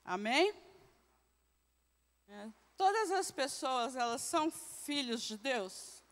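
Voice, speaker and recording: Brazilian woman teaching a church class. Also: sits high. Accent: Brazilian Portuguese. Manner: questions the class, frequent tag "né". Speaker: Sunday school teacher. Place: church hall. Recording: long reverb in a church hall.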